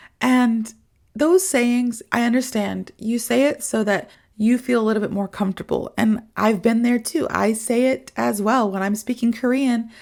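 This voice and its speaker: A woman with an American accent speaks at a moderate pace and fairly high pitch, with ordinary pitch variation, in a normal speaking voice. The recording is very clean, with a silent background. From United States. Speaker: English teacher and podcast host. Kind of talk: casual podcast monologue. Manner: casual, filler-heavy.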